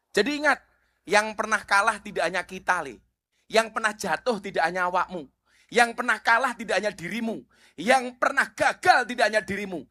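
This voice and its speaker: A middle-aged man with a Javanese accent preaching a sermon, animated, asking the crowd rhetorical questions. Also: very high voice.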